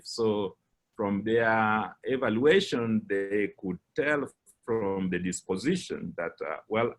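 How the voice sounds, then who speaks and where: Low-voiced Kenyan man, measured speech. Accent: Kenyan English. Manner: measured, with frequent uh fillers and restarts. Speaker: guest speaker. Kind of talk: personal account in a lecture talk.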